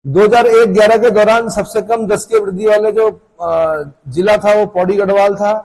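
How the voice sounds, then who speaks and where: A husky male teacher with a fairly high, mellow voice, lecturing an exam-prep class. He talks casually, throws questions at the students and answers them himself, and reads the figures out with a lilt. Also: steady tone, moderate pace, low-quality recording.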